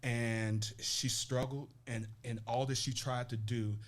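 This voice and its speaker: This life coach from Nashville, Tennessee, speaks as a guest in a casual interview, earnest and reflective, often restarting his sentences. His mid-range voice moves little in pitch, and he takes his time.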